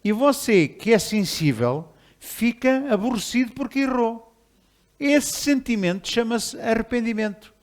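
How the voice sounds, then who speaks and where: A man preaching a sermon in a conversational, animated way, with restarts and chuckles. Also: very high-pitched, measured pace. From Portugal. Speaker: pastor.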